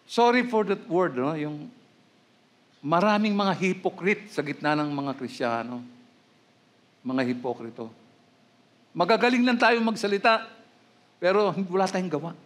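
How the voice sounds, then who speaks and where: Filipino male pastor, fairly high voice, emphatic sermon delivery with rising questions. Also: expressive, measured pace, long pauses. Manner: switches between Tagalog and English, rising emphatic questions.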